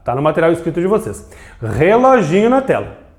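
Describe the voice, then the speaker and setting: A man's voice: on the high side, huge pitch swings, a little fast. A man teaching a grammar lesson on video, explaining step by step, asking and answering his own questions, and drawing out syllables to show them. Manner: stretches out syllables to demonstrate.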